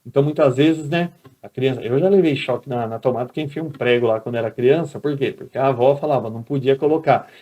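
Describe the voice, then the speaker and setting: A man's voice: mid-range voice, fast talker, hardly any pauses, warm tone. A man with a Brazilian Portuguese accent giving a recorded lecture as a teacher, talking conversationally and often checking in with his listeners.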